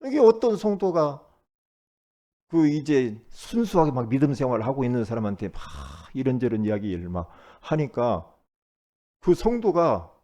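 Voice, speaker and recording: A man preaching as pastor, moving between loud emphatic bursts and low asides, and at times leading the congregation in repeating his words. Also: sing-song, moderate pace. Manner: calls the congregation to repeat after him. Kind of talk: sermon.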